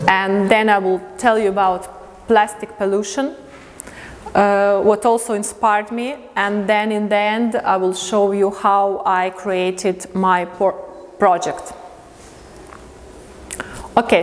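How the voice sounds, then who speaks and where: In a museum's indoor lecture space, a woman artist from Riga, Latvia, delivers a prepared talk in English, which is not her native language. Speaking in a mid-range voice, she halts and pauses while searching for words, her voice echoing through a long, reverberant hall.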